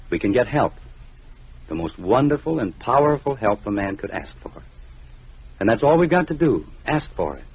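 A man's voice: mid-range voice, slightly rough. A man making an earnest, preaching radio appeal. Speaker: radio program speaker. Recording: dull old radio recording.

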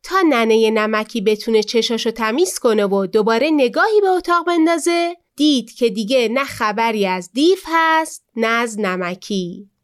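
A woman narrates a storybook tale in a slightly high voice, slow and expressive. She tells it steadily for young listeners, giving weight to each scene.

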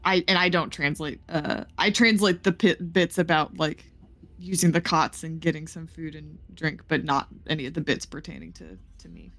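A woman's voice: low-pitched, lively intonation, moderate pace, a bit bright. A woman playing a tabletop game, chatting casually and teasing the table with laughs. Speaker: player.

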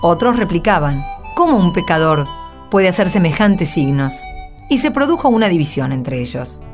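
A woman narrates a radio play in a fairly low voice with very varied intonation. Music plays behind her scripted storytelling. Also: big pitch swings, moderate pace.

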